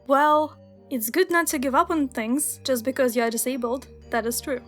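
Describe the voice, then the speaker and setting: A woman's voice: high-pitched, normal speed, fairly bright tone, soft background music. A young woman whose first language is Russian, narrating a scripted video essay in an earnest, wry, explanatory way. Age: young adult.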